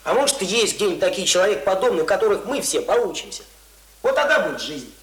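An actor in a radio play playing an earnest, argumentative young village student who lectures insistently and colloquially. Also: male voice, high-pitched, sing-song, fast talker, a bit bright. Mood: dreamy, enthusiastic. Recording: roomy, echoing radio drama recording.

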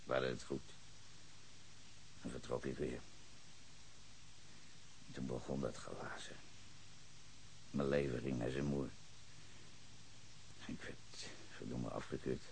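An actor playing a bitter, hard-drinking former sea captain under questioning, brooding low then flaring into furious shouts in a radio drama. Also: male voice, flat delivery, slow pace, gravelly, long pauses, a little hiss or hum, full character voice, poor audio. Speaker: suspect questioned by detective.

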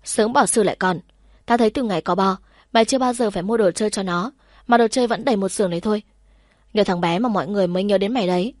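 A blunt, caring young woman in a spoken novel, frank and protective toward her best friend, as the woman narrating reads her lines. The voice is a middle-pitched everyday one, recorded close and dry. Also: fast, darkish tone, no room sound, natural voice. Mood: teasing.

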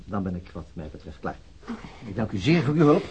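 An actor playing a courteous, methodical police detective with dry humour in a radio crime drama. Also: male voice, deep voice, very animated, a little fast, noisy background. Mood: polite, probing. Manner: methodical, dryly humorous.

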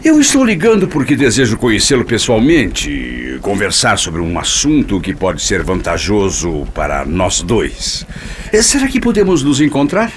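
An actor playing a scheming middle-aged Brazilian father who feigns tender concern, smooth-talking and solemn in radio soap opera style. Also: lowish voice, wildly swooping pitch, moderate pace. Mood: ingratiating. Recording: noisy, hissy radio drama recording.

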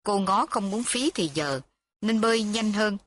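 A woman narrating a story with a steady, even reading. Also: mid-range voice, unhurried.

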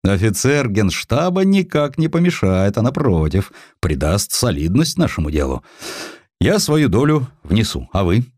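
A man's voice: lowish voice, very animated, unhurried, darkish tone, dry recording, studio quality. A man voicing a jovial, wry businessman in an audiobook, with hearty, old-fashioned turns of speech. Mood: cheerful. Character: jovial, wryly sighing male businessman backing a publishing venture.

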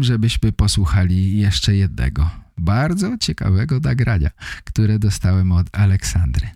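A man hosting a podcast, giving an explanatory monologue for language learners in short, deliberately phrased sentences. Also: deep voice, mellow, no room sound, clean studio sound. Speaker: podcast host.

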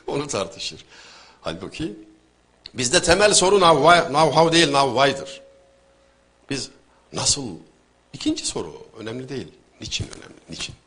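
A man giving a conversational religious and literary talk, telling anecdotes with rhetorical questions and sudden loud emphasis. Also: medium pitch, husky.

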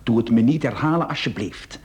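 An actor playing a meek, guilt-ridden, henpecked husband in a radio play, hesitant and subdued. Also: male voice, medium pitch, brisk, darkish tone, close to an everyday voice. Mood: shaken, confessing. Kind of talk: Dutch-language radio play acting.

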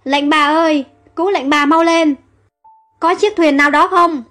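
A woman voicing a loyal palace servant who shouts in alarm. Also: high-pitched, fairly quick, soft background music, close to an everyday voice.

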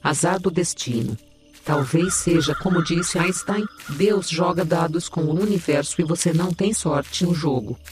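A man voices a digital AI assistant with a diva's vanity in an audio drama. The voice sits a little high, teasing and theatrical, while delivering information matter-of-factly. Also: moderate pace, soft background music, lightly acted. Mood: sassy, teasing. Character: sassy, vain digital AI assistant, self-styled diva.

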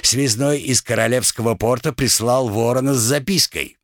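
A man voicing a haughty aristocratic female pirate captain with a slow, drawling delivery. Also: medium pitch, dry recording, studio quality, pitched above the performer's own voice, close to an everyday voice.

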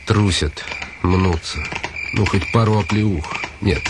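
A man's voice: sits low, slow pace, very noisy. An actor playing a haughty, ironic nobleman in a radio drama, with a pompous, mocking delivery. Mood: brooding. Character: haughty nobleman on horseback, ironic, restless for a fight.

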